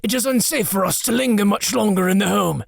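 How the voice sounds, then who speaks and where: A man voicing a big, loyal, formal bodyguard with a gravelly, husky voice. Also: sits high, fairly quick, no echo, clean studio sound, voice pushed up, heavily acted. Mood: soothing. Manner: formal and dutiful, calls his master "my lord".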